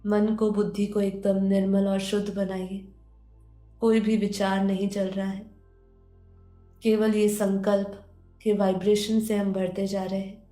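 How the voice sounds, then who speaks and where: A woman guides a meditation in a soft-toned, mellow voice, speaking very slowly and repeating phrases as she gently instructs. Her delivery stays quite even in pitch. The voice carries a roomy echo. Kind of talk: guided meditation, spiritual teaching. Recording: roomy echo under background music. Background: music.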